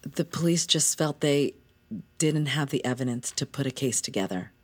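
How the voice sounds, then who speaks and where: An actor playing a gentle, careful doctor who speaks softly and measuredly in an audio drama. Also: mid-range voice, animated, lightly acted. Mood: consoling. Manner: soft, measured, consoling.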